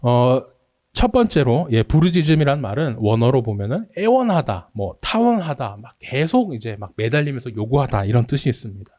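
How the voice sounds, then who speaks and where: A man's voice: mid-range voice, sing-song, moderate pace, warm tone, no room sound, clean studio sound. A man preaching a sermon as pastor, acting out anguished prayers in a raised voice. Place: church sanctuary.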